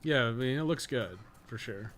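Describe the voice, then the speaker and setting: A man's voice: mid-range voice, expressive, normal speed, a bit bright, a little hiss or hum. A man livestreaming a game, chatting casually and thinking aloud in a rambling, slangy, sweary way. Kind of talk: casual gameplay commentary, chatting while playing.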